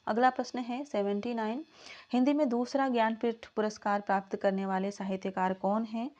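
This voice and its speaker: A woman teaching Hindi literature in an exam practice lesson, reading out questions and options and then explaining the answers in a measured way. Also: a little high, steady tone, dull audio. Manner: signs off warmly asking viewers to comment.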